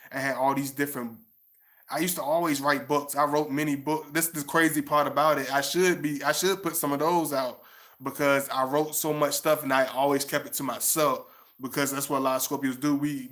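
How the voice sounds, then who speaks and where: Man with a flat, even voice. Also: medium pitch. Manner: rambling, restarts often, "you know what I'm saying". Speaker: channel host. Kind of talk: casual monologue to viewers.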